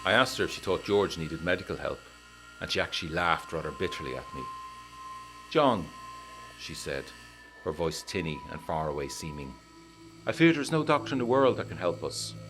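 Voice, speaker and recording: A man with a very deep voice reads out a letter in measured, formal prose. His delivery is steady and old-fashioned, like period storytelling. Soft music plays faintly beneath him. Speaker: letter-writing narrator. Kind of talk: scripted narration of a letter.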